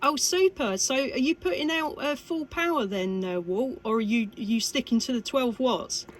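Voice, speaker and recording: A woman's voice: high-pitched, lively intonation, moderate pace. A chatty, exclamatory woman operating a CB radio in a two-way chat. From United Kingdom. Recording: radio contact with faint static.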